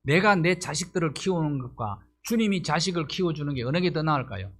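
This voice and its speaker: A man's voice: fairly high pitch, animated, a little fast, fairly bright tone. A middle-aged male pastor delivering a sermon, pressing his points with rhetorical questions and rising emphasis.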